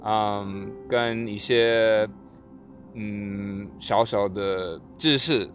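A man who speaks Mandarin as a second language explains things casually, phrase by phrase, with pauses. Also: lowish voice, steady tone, faint music behind. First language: not Mandarin, a learner of it. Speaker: co-host, Chinese learner.

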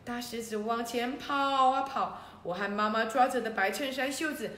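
A woman hosting a children's story show, telling the tale in a lively way and speaking directly to the young listeners. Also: a little high, normal speed. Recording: roomy echo.

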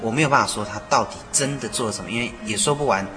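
A man's voice: medium pitch, very fast. A man co-hosting a Christian radio talk in a casual discussion, earnest and persuasive, repeating himself for emphasis. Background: background music.

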